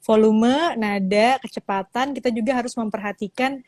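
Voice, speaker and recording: A woman teaches public speaking in an easy, chatty way, acting out examples as she goes. Her voice sits a touch high, and the phone mic gives it a close, dry sound with no room around it. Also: moderate pace, darkish tone, no room sound. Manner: explanatory, acts out examples with varied intonation. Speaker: public speaking lecturer, guest. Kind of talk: casual instructional chat on a live stream. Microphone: live-stream phone mic.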